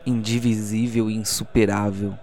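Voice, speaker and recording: A man narrating as game master, telling the story solemnly and deliberately, with dramatic pauses. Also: fairly low pitch, little pitch movement, a little mellow, faint music behind.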